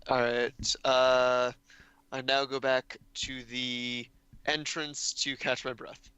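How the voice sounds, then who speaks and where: A man's voice: mid-range voice, level tone, slow, sharp tone, clean tone, no echo, dull audio. A man playing a tabletop game casually, talking through plans in a practical way. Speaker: player.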